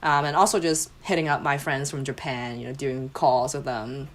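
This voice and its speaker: A woman's voice: extremely low pitch, fairly even intonation, normal speed. Laughing woman, Cantonese native. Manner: laughs often mid-sentence. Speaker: podcast guest. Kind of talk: casual chat.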